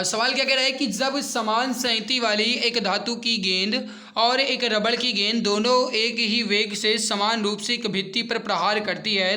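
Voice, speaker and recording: A man teaches an exam class in a high-pitched, sharp, bright voice. He works through quiz questions in an instructive way, speaking directly to his students and restating each question and answer. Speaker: exam-prep science teacher. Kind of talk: online lesson, working through quiz questions.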